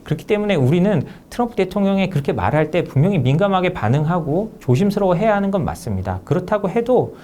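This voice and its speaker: A man, an author being interviewed as a guest, giving measured and emphatic analytical explanations. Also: high-pitched, sing-song, mellow, a little hiss or hum.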